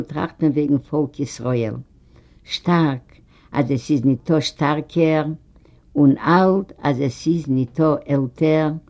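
A reader voicing an old kibbutz man who drives an old car, gruff but kindly, talking in a folksy, joking way, a bit louder than the narration. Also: medium pitch. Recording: dull lo-fi recording.

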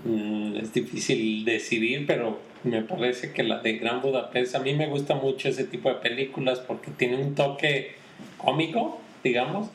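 Relaxed man in an echoey room. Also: mid-range voice, normal speed. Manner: hesitant, restarts often, relaxed. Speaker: podcast co-host, film commentator. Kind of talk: casual chat. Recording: roomy echo with faint background noise.

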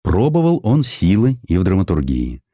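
A man reads a historical essay as an audiobook narrator with theatrical expression. His voice is deep and dark, and it moves in wide, animated swings of pitch. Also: moderate pace, no echo, clean studio sound. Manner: theatrical, declaiming verse and acting out quotes.

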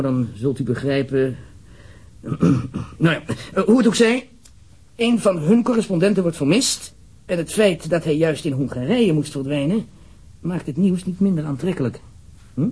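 A man's voice: on the high side, darkish tone, slightly rough. A man with a Netherlands Dutch accent playing an uneasy, formal government official in a radio drama, wordy and hesitant.

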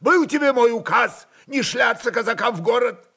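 An irate, domineering governor of old Russia, played by a male reader. He shouts with indignation in a raised, strained pitch, as in a historical audio drama. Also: expressive, normal speed, heavily acted. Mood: furious. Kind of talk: dramatised literary reading.

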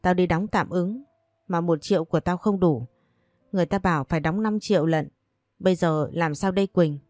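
A fretful young woman fussing over her friend, as a female storyteller puts her on, speaking in a hurried, worried way. The voice sits low and warm, with a dry, close sound. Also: no room sound, soft background music, close to an everyday voice. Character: anxious young woman friend, fussy and protective.

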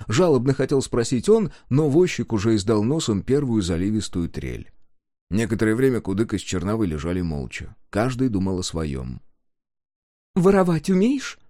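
A man reads a folk tale in a folksy, expressive storyteller's manner. His pitch moves in a lively way while his tone stays dark and mellow. The recording is dry and close. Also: dry recording. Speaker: audiobook narrator. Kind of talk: scripted storybook narration.

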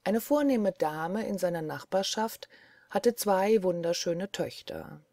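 A woman's voice: lowish voice, lively intonation, takes it slowly, mellow, dry recording, clean studio sound. A woman narrating a fairy-tale audiobook, reading carefully and evenly. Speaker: audiobook reader.

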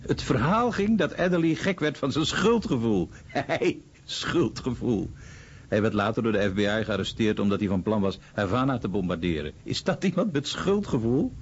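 A man with a husky, medium-pitched voice reads a documentary voice-over translation. The sound is dull and muffled. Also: lively intonation, normal speed.

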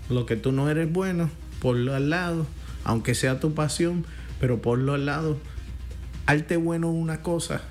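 A Puerto Rican pastor talks easily, slipping into quoted voices as he tells stories. His voice sits at an ordinary male pitch. Soft music runs faintly behind him. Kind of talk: casual faith talk.

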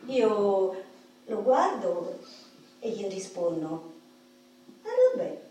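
A woman's voice: mid-range voice, wildly swooping pitch, very slow, dark tone, exaggerated voice. An actress playing a feisty disabled communist woman with a Roman accent, telling her story colloquially in a theatrical radio play. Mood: proud, passionate. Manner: vivid, colloquial storytelling, acting out quoted people. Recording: echoey hall, distant mic, clicks.

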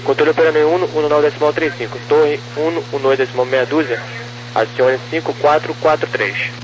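A man's voice: on the high side, steady tone, brisk, lo-fi sound. Brazilian male controller on noisy radio. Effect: aviation radio communicator. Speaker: air traffic controller. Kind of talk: clipped radio clearances. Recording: noisy, humming aviation radio.

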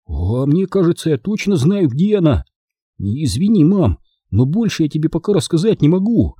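A man's voice: fairly high pitch, very animated, normal speed, dark tone, slightly rough, no echo, studio quality, voice pushed up. Earnest boy hero, hesitant but serious, raised voice, a man doing him.

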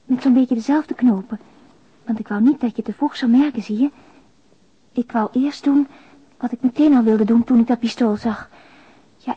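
A naive young mother in a radio play, reading out her confession. Her voice is high and breathy, intimate and hesitant, close to whispering at times. The dull recording has some room around it. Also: no echo. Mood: nervous, confiding. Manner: intimate, confiding, hesitant, lapsing into near-whispers. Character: anxious, naive young mother confessing a bank robbery by letter. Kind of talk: radio drama monologue, letter read in voice-over.

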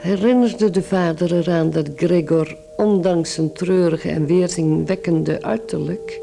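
A male narrator reads a scripted story for a radio drama. His voice is high for a man, very gravelly and mellow, with music behind it. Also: fairly even intonation, unhurried.

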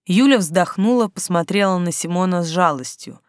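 Even-toned story narrator, mid pitch, dry close-miked read. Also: normal speed, no echo. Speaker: audiobook narrator. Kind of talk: scripted narration.

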